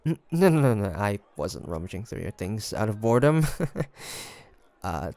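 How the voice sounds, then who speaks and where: Man acting a halting, gravelly young demon hunter. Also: fairly low pitch, sing-song, darkish tone, no room sound. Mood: flustered, sheepish. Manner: hesitant, halting, stammering. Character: young male demon hunter, flustered, haunted by childhood loss. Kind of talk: scripted audio roleplay monologue.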